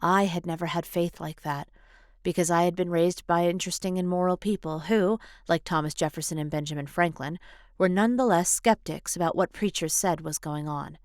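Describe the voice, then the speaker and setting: Female audiobook narrator, lower register, measured articulate read, dry close-mic recording. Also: darkish tone, no echo. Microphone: close studio voice-over microphone.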